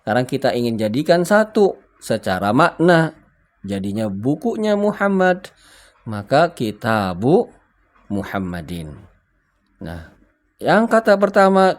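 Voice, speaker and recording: Slow, patient male language teacher. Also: mid-range voice. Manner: patient, spells and translates word by word, asks viewers to repeat. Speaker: Arabic teacher. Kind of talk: recorded video lesson.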